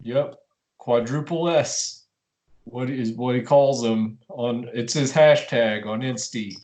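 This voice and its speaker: An awkward adult son, mildly aggrieved, played by a man in an improv scene. He speaks hesitantly and deadpan, with plenty of fillers. His voice is an average middle pitch. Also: takes it slowly, natural voice.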